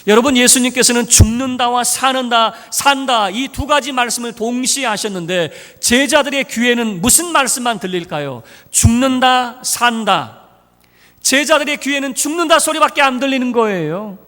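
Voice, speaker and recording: High, bright-voiced male pastor preaching. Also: normal speed. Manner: acts out dialogue of biblical figures in changing voices. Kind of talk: sermon. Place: church sanctuary. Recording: long reverb of a large church hall.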